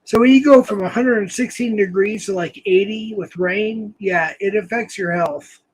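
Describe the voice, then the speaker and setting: A man hosting a casual livestream, hoarse and losing his voice, rambling and reading the chat aloud. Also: high voice, normal speed, slight background noise, poor audio. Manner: rambling, reads chat aloud, frequent ums. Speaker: livestream host.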